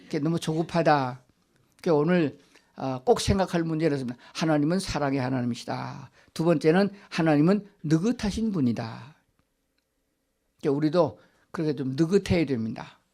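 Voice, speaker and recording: An older man preaching in a church sanctuary, his voice sitting a little higher than most men's. He keeps asking his listeners questions and then answers them himself. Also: animated, normal speed, a little mellow. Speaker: pastor. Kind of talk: Sunday sermon.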